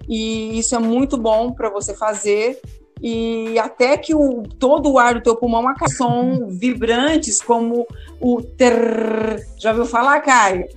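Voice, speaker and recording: With soft background music, a woman from Amazonas, Brazil, talks at a slightly slow pace in a fairly high voice. Once a radio host and now a teacher, she handles interview questions casually and hesitantly, often saying words twice.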